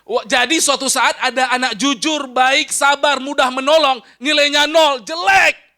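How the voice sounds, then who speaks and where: A man giving a lively, joking sermon-lecture to a live audience as an Islamic preacher, his voice leaping up and falling low. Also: moderate pace. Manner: animated, joking with the audience, rising and dropping sharply.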